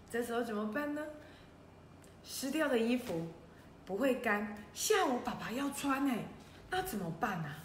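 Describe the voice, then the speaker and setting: A woman reads a storybook tale aloud for children, speaking directly to the little listeners. Her voice is animated and rides high, with wide swings. The recording carries a roomy echo. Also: slight background noise. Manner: lively, addresses the children directly.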